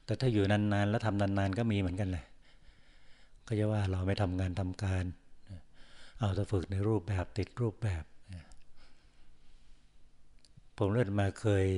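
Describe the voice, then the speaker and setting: A man's low, mellow voice delivers a dharma talk at a forest monastery. He keeps an even, level tone throughout. He speaks in slow, measured phrases with many pauses. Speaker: Buddhist monk giving a dharma talk. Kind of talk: sermon.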